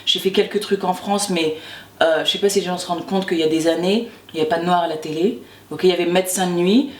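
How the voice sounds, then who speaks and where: A woman's voice: on the low side, fast talker, slight background noise. Chatty woman from Martinique, echoey room. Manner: chatty, animated, many restarts and repeated words. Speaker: actress, interview guest. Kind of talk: casual interview chat. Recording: echoey room, distant mic, faint background.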